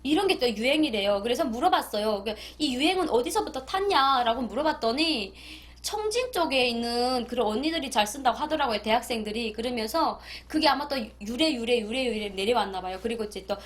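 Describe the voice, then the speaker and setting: A young woman from North Korea tells stories to her viewers in an easy, chatty vlog manner. Her voice sits a little high, and she laughs often. She slips into the voices of the people she quotes. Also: lively intonation, brisk, few pauses. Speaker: YouTuber. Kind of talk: casual storytelling vlog.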